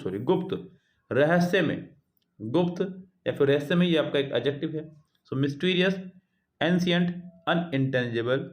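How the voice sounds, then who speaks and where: Teaching an exam prep class, this slightly high-voiced man reads every English question slowly and then goes over it in Hindi. He addresses the students as guys and children.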